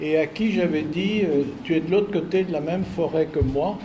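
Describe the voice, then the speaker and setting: Noticeable background noise and audible room echo frame a man with a Belgian accent. He speaks at a moderate pace with ordinary pitch variation. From Belgium, Waterloo. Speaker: surgeon, conference speaker. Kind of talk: lecture.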